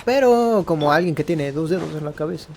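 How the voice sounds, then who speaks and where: Higher-voiced man doing casual game commentary. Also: expressive, fast, vocal fry, darkish tone, a little hiss or hum. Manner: rambling, searches for words and rephrases. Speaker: gaming video host. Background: game music.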